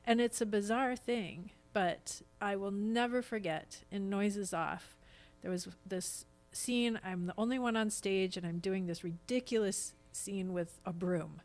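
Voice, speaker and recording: An American woman talking casually as an interview guest, earnest and expressive. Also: medium pitch, a little slow, hardly any pauses, faint music behind. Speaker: podcast guest, stage actress.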